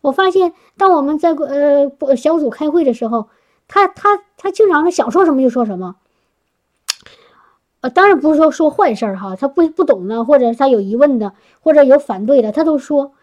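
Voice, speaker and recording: A woman's voice: sits high, lively intonation, fairly quick, darkish tone. A woman speaking to a congregation, sharing a personal testimony in an earnest, chatty way with frequent restarts. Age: adult working professional.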